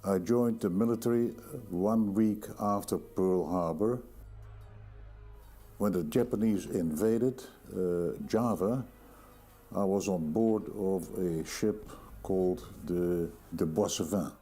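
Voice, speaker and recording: An older man, from the Indies, recalling his past slowly and haltingly in an interview. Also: low voice, warm tone. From Dutch East Indies. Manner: slow, halting with fillers. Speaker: veteran interviewee. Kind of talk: interview recollection.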